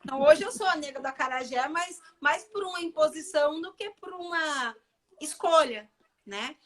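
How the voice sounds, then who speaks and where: Woman, high-pitched voice, Bahian Brazilian accent, casual live chat, emphatic repetition. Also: lively intonation, normal speed, fairly bright tone. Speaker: chef, guest.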